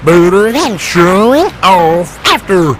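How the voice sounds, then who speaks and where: A man voicing a simple, cheerful tow truck in a game cutscene, folksy and bumbling, through a pitch-shifting voice changer. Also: very animated, takes it slowly, noisy background, exaggerated voice. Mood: eager, clueless. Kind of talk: animated game cutscene acting.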